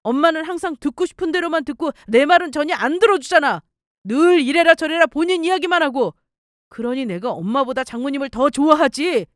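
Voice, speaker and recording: A woman's voice: high-pitched, brisk, dry recording, studio quality, voice pushed up, lightly acted. A woman voicing a frustrated young husband who argues defensively with his mother in a story radio drama. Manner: exasperated, pleading, defensive.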